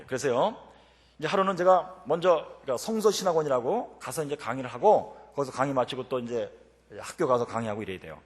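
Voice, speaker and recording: Fast, fervent preacher in an echoey hall. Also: male voice, mid-range voice. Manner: animated, switches between fervent shouted prayer and chatty anecdote. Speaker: preacher and professor. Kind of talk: revival-meeting sermon with storytelling. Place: church sanctuary.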